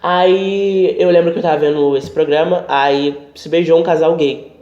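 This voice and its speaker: A man's voice: a little high, moderate pace. A young man from Brazil, co-hosting a podcast and telling a personal story in casual chat, acting out the dialogue he recounts. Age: young adult. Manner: animated, acts out quoted dialogue. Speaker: podcast co-host. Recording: roomy, dull-sounding home recording.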